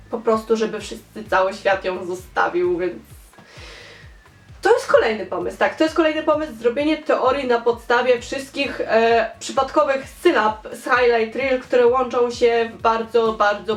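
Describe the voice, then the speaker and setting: Animated young woman in an echoey room. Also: a little high. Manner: animated, enthusiastic, repeats words for emphasis. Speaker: fan theory vlogger. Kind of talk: casual chat reading comments.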